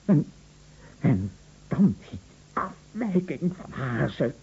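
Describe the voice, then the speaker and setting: A man's voice: on the high side, very animated, slow, dark tone, breathy edge, full character voice. An actor playing an anxious, bookish bedridden man in a Dutch radio play, agitated and stammering, repeating his words. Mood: distraught. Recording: muffled old radio play recording.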